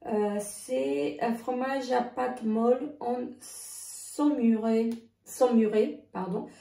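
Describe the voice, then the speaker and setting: A woman talks through her groceries in a halting, filler-heavy way, her voice gravelly and losing strength. Her tone is mellow and a little high. She sits back from the mic in an echoey room. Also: lively intonation, far from the mic. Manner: hesitant, many filler sounds, halting restarts. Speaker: vlogger. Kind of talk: casual grocery haul vlog.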